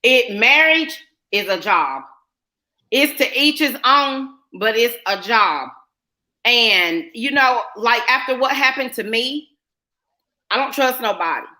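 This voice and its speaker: A woman's voice: on the high side, expressive, takes it slowly, pushed and bright. A woman with a Southern US accent from North Carolina, hosting a casual live chat and reading out viewer comments. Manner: chatty, reads viewer comments aloud. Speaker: livestream host.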